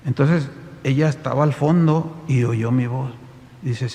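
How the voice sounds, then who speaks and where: A man's voice: mid-range voice, unhurried, mellow, in a large hall. A man, a pastor telling a story in his sermon and animatedly addressing the congregation directly.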